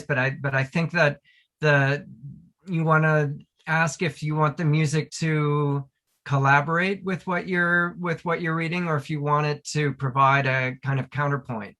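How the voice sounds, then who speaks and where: A man speaking as a panelist in a hesitant, halting way, often repeating words as he thinks. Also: on the high side, bright, forceful tone. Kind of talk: thoughtful panel discussion.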